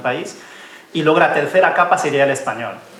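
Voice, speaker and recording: A fairly high male voice with fairly even intonation, amid noticeable background noise and audible room echo. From China, Wenzhou region. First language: Wenzhou dialect (Chinese) (speaking Spanish). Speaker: playwright and poet. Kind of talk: panel discussion. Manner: halting, with false starts.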